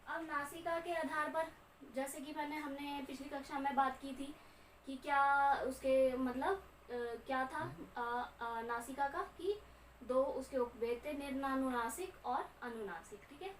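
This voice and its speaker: A young woman with a high voice gives a slow, repetitive grammar lecture, checking in with her students again and again. She is recorded from across an echoey room, with a faint hum behind her. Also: far from the mic. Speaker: Hindi grammar teacher. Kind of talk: classroom lecture.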